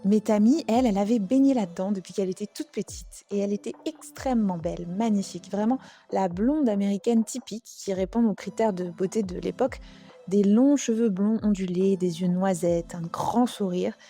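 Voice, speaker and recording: French woman, true crime host, chatty storyteller, mellow voice, faint music behind. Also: medium pitch, husky. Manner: chatty, conversational, with asides. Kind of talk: casual storytelling narration.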